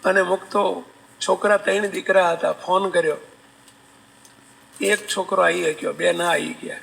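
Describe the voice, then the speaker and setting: A man telling a devotional story as a sermon, animated, acting out voices and asking listeners questions. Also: high-pitched, normal speed, creaky, poor audio. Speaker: religious storyteller.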